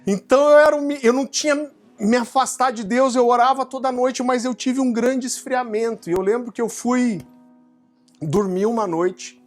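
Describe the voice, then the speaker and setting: A Brazilian man preaching, who tells a personal story with humor and animation in a home setting. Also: extremely high pitch. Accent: Brazilian Portuguese. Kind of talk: sermon testimony. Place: home living room. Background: faint guitar music.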